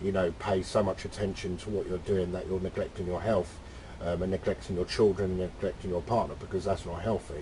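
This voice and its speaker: Very deep and low in pitch, a man talks at a fairly quick pace with fairly even intonation. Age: 30s. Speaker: visual effects artist and YouTuber. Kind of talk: personal vlog monologue. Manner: halting, many fillers.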